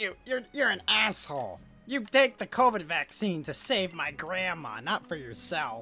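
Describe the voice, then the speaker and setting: A put-on character voice with very wide pitch swings. Faint music plays in the background. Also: man, high pitch for a man, moderate pace. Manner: indignant.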